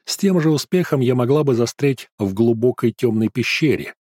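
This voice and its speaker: A man reading a first-person fantasy novel aloud in a steady, even narration. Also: mid-range voice, normal speed, breathy edge, no echo, studio quality. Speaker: audiobook narrator.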